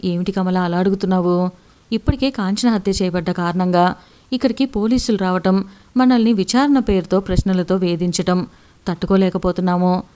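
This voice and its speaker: A woman's voice: mid-range voice, mellow, natural voice. A woman narrator voicing a fed-up female coworker who complains bluntly.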